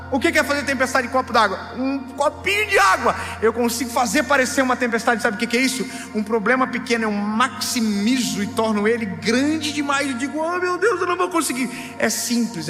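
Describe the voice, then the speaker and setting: A pastor in his thirties preaches with a light, high voice, swinging from playful asides to near shouts. His words ring out through a large hall with long reverb. Music plays clearly underneath. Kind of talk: sermon.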